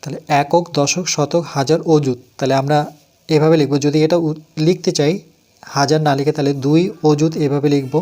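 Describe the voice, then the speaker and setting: A man's voice: a little high, fairly even intonation, moderate pace, dark tone. A man with a West Bengal accent teaches a primary math lesson step by step. He counts aloud and asks questions that he then answers himself.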